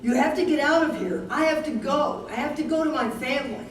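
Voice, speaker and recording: A woman's voice: sits high, fairly quick, natural voice. A woman playing a confused, suspicious older wife with Alzheimer's, indignant and bewildered, in a staged reading. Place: live staged reading in echoey room. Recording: very echoey room, distant, faint noise.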